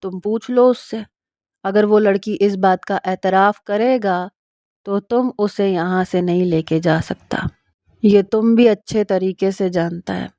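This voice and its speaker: A woman voicing a blunt young Pathan husband who talks in a gruff, plain way with a Pashtun-accented Urdu. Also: medium pitch, fairly even intonation, mellow, no echo, clean studio sound, close to an everyday voice.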